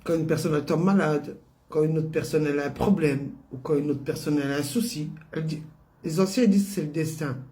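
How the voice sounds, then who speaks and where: A woman vlogger telling a story in casual, animated way, often amused. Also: low-pitched, a little fast.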